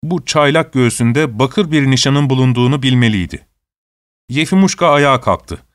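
A man narrating a story as an audiobook in a steady, measured reading style. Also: mid-range voice, dry recording, clean studio sound.

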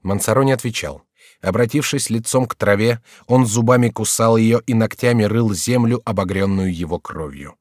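A man giving a measured, scripted audiobook narration of a classic novel. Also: lowish voice, no echo, studio quality.

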